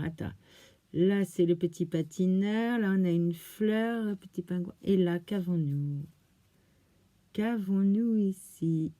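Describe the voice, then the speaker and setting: Craft lady unboxing her mail, lots of oohs, slow talker, kinda mellow voice. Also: mid-range voice, no echo. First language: French. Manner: gushing, many oohs and exclamations; slow, thinking aloud as she unpacks. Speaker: craft channel host.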